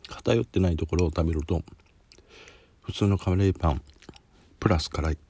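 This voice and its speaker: A man's voice: low-pitched, moderate pace, dark tone, slight background noise. A man with a Kansai accent talking casually on a solo podcast while reviewing a spicy snack, sweaty and sniffling. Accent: Kansai Japanese. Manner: chatty, self-deprecating, sniffling while eating spicy food. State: sweating and runny nose from spicy food.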